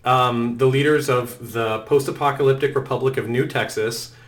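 A man's voice: mid-range voice, fairly even intonation, moderate pace. A man whose first language is Norwegian, a game developer guest on a casual podcast, talking freely and saying "like" a lot. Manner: chatty, peppered with "like". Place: Texas.

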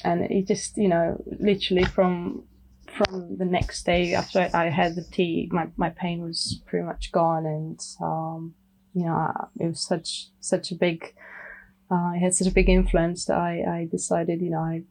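A woman from Romania, a medical herbalist guest speaking softly and thoughtfully in a podcast interview. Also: fairly low pitch, completely flat delivery, normal speed, rough recording. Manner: soft-spoken, thoughtful, many you knows. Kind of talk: casual interview.

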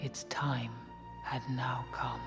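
Brief: ancient fantasy-film narrator, low, hushed, solemn, distant under a swelling score. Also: female voice, little pitch movement, over loud music. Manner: hushed, slow and grave, half whispered.

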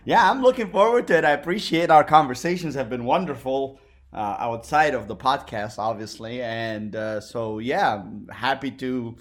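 A man from Egypt, a guest on a podcast, telling his life story in a relaxed way with hesitant fillers. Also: medium pitch, normal speed. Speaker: interview guest. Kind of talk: interview, personal story.

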